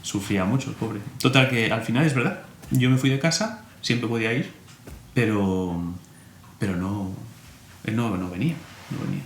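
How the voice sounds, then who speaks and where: Priest, male, low register, lively storyteller; recorded in a roomy space. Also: normal speed. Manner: animated storyteller, acts out remembered dialogue. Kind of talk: personal storytelling interview. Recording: roomy echo, faint room hum.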